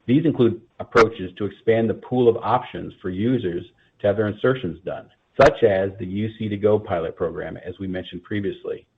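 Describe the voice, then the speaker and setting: Husky low-voiced man on a phone line. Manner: formal, measured reading. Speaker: company executive. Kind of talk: scripted corporate earnings call presentation. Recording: muffled, phone-like conference call line.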